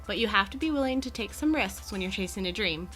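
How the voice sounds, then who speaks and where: A woman's voice: mid-range voice, animated, fast, a bit bright, soft background music, close to an everyday voice. A woman playing an amiable, poised Gorgon educator in an audio drama, with articulate, genteel and reassuring phrasing. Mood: earnest, passionate.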